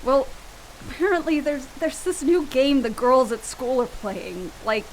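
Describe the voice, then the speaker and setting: Radio horror play: actress as a haunted, grieving woman, high-pitched, hesitant and fearful, faint rainy hiss behind. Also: animated, a little slow, poor audio. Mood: agitated. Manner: hesitant, stammering, pleading. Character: anxious grieving woman, tipsy, haunted by guilt and fear.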